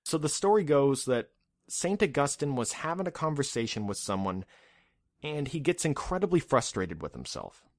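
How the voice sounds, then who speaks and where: A man's voice: mid-range voice, very animated, moderate pace, dry recording. A man hosting a podcast, telling a history story in a casual, wry way with lots of asides. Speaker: podcast host.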